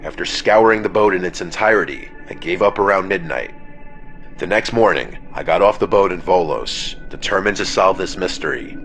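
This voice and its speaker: Very deep-voiced man narrating a horror tale. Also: faint music behind. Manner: measured, somber reading that slows and drops low at phrase ends. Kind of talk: scripted first-person horror narration. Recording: steady ambient noise bed under the voice.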